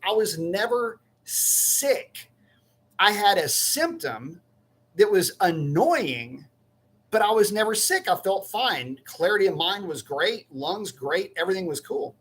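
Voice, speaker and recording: A man's voice: high voice, big pitch swings, measured pace, fairly bright tone, breathy edge. A middle-aged man hosting a casual live-stream chat, rambling and correcting himself in a folksy way. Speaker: livestream host.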